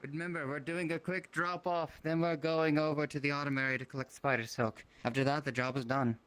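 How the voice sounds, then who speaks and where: A man's voice: a little high, level tone, fairly quick, a bit bright, clean tone, low-quality recording. A man speaking in character as a player in an online game roleplay.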